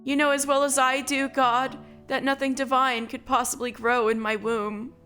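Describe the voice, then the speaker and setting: A woman's voice: high-pitched, little pitch movement, normal speed, sharp tone, faint music behind. A woman voicing a mother who fears her own young daughter, brooding anxiously and speaking carefully. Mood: fearful. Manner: anxious, brooding inner monologue. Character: frightened, guilt-ridden mother of a strange child.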